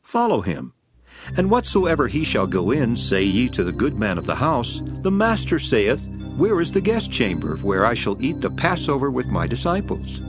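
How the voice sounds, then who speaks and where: An actor playing Jesus as a solemn, authoritative teacher, declaiming archaic scripture in a dramatized Bible audio production. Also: male voice, mid-range voice, wildly swooping pitch, normal speed. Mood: calm authority. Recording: music behind the voice. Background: background music.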